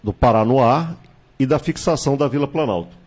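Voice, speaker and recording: A man, a candidate recounting his life in a studio interview, measured and reminiscing, with hesitations and tag questions, on a handheld mic. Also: medium pitch, a little mellow, husky. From Salvador, Bahia, Brazil. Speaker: political candidate, guest. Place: small TV studio with virtual set.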